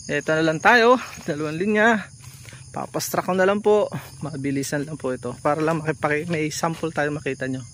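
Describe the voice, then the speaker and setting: A man's voice: a little high, fairly quick, fairly bright tone. A man chatting instructively to viewers in a casual farm vlog, recorded outdoors on a handheld phone. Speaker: farmer and vlogger. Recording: outdoor recording with clear insect and ambient noise. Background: insects and outdoor ambience.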